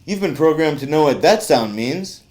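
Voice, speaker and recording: A man's voice: fairly high pitch, lively intonation, moderate pace, darkish tone, slight background noise, close to an everyday voice. A man playing an exasperated, mock-formal host of a comedy cat talk show. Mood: formal, strained.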